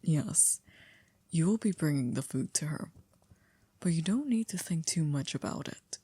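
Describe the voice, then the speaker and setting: Woman voicing poised servant of a vampire, ASMR roleplay, very low female voice, soft mellow tone, hushed, polite, formal, quietly commanding. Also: expressive, no room sound, full character voice. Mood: courteous, composed. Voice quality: breathy, hushed, often near a whisper. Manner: formal, polite, measured, with stiff wording. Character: poised, formal female vampire's maid, coolly controlling and devoted.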